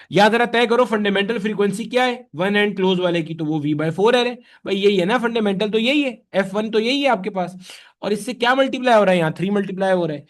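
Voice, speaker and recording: A man teaching a physics lecture, asking questions and answering them himself in a conversational way. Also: high voice. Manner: conversational, answers his own questions in students' voices. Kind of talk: classroom lecture.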